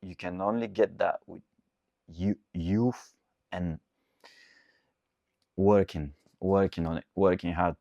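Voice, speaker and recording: A man's voice: low voice, darkish tone, no echo, studio quality. A man in his twenties, a coach, giving an earnest, repetitive motivational talk. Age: 20s. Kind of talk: motivational monologue.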